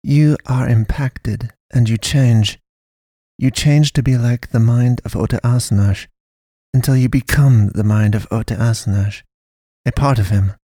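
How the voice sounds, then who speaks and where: A man reading a story, voicing a stern foreign woman pastor who hunts monsters, speaking slow, blunt, broken sentences. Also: mid-range voice, dark tone, dry recording, clean studio sound. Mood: grave. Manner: broken grammar, blunt, measured.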